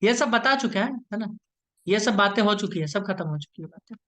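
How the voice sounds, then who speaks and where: A man's voice: high voice, lively intonation, fairly quick, pushed and bright. A man teaching an online class, explaining step by step in a playful, teasing way and often checking that students follow. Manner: playful, teasing, keeps asking "right?".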